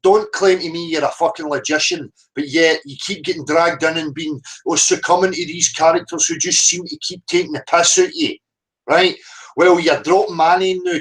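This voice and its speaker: A man's voice: a little high, fairly bright tone, poor audio. A man with a Scottish accent delivering an impassioned, confrontational unscripted rant as a livestream host, blunt, insistent and heavily sweary. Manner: confrontational, insistent, tagging points with "right?".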